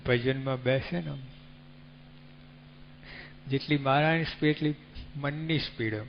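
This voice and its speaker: Male preacher, measured sermon delivery, faint hum in the background. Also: mid-range voice, steady tone, gravelly. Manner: unhurried, teaching with rhetorical questions and animal examples. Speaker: religious speaker. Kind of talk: devotional sermon. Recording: dull lo-fi recording with faint hum.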